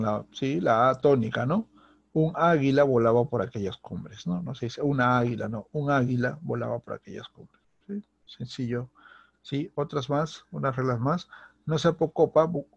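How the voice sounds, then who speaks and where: Peruvian teacher guy doing a video grammar lesson, gravelly voice, kinda dry sound, keeps asking the student if they're following. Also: medium pitch, a little mellow, dry recording, muffled recording. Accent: Peruvian Spanish. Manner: repeats checks like "¿listo?" and "¿sí?", restarts often. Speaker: secondary school teacher.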